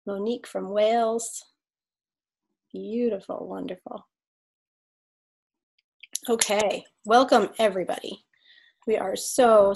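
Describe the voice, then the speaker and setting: A woman hosting an online video call, welcoming attendees by name, her voice slightly scratchy from a cold. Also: mid-range voice. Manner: warm welcoming, reads out chat names. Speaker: host, life coach.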